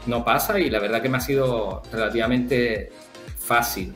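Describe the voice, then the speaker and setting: A man from the Canary Islands with a Canarian Spanish accent, a football agent answering interview questions in a thoughtful, halting way with many fillers. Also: medium pitch, fairly bright tone. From Canary Islands, Spain. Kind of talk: interview guest, casual conversation. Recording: roomy echo with faint background music.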